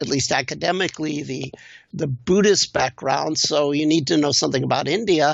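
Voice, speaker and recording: With an American accent, a man speaks at a moderate pace in a fairly high pitch, his voice showing vocal fry. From US West Coast, Los Angeles. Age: 70s. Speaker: meditation teacher. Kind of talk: interview. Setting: podcast. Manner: halting.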